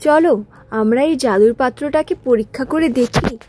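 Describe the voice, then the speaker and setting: Woman acting sweet, high-voiced village daughter. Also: normal speed, lightly acted. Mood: caring. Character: caring young village daughter, anxious and sweet. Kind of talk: cartoon story dialogue.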